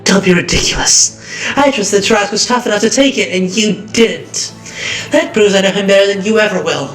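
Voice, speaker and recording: A man voicing a proud, elegant young woman in a strained falsetto. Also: normal speed, a bit bright. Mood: scornful. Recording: roomy distant mic, music behind.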